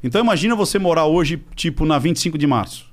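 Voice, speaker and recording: An interview guest with a voice on the high side tells a story in casual chat, talking quickly. He's animated, acting out other people's voices and swearing freely.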